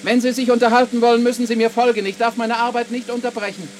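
A dutiful worker robot in an old radio play, pitched high and talking quickly. The delivery is stiff and formal, with hum and loud noise on the recording. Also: male voice, flat delivery. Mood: dutiful, matter-of-fact. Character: dutiful, matter-of-fact male worker robot. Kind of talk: 1970s German radio drama acting.

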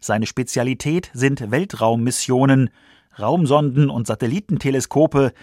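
A man's voice: mid-range voice, normal speed, warm tone, dry recording, clean studio sound. A man reading scripted science documentary narration for a radio feature.

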